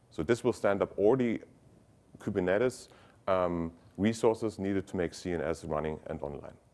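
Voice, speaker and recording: With a German accent, a man talks at a moderate pace in a fairly low pitch, using ordinary pitch variation and long, frequent pauses. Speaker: software engineer presenting at a tech conference. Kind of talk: conference talk with live demo. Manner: hesitant, frequent fillers.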